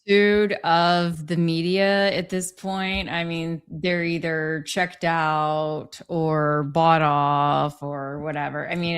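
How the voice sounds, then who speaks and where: A woman with a smooth, clear voice set a little low. She hosts a livestream in a casual, conversational style. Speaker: livestream host. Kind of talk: casual chat, reading out viewer comments.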